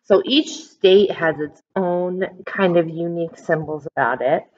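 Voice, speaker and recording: A woman's voice: on the low side, unhurried, highs cut off. An American woman reading a picture book aloud to children as a teacher, explaining it simply and putting questions to young listeners. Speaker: elementary school teacher.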